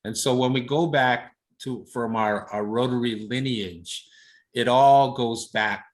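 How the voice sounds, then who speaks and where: A man's voice: medium pitch, unhurried. A man from Hawaii giving an informal leadership presentation with slides, speaking casually with many fillers and often ending points with "right?".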